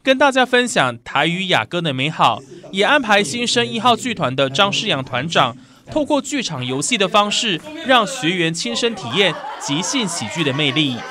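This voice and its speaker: A woman's voice: fairly low pitch, very animated, normal speed, hardly any pauses, crowd noise. A woman with a Taiwanese Mandarin accent reading scripted news narration as a reporter.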